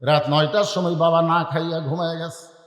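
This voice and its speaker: Brief: high male preacher, dramatic waz storytelling, long hall reverb. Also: little pitch movement, moderate pace. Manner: dramatic, acts out voices, swings loud and soft. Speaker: Islamic preacher.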